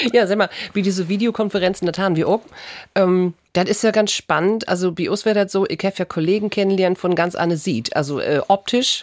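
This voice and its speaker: With a northern Lower Saxony accent, a woman talks at a very fast pace using ordinary pitch variation. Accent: northern Lower Saxon Low German. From Lüneburg Heath, Lower Saxony. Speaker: radio host. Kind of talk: casual interview in Low German.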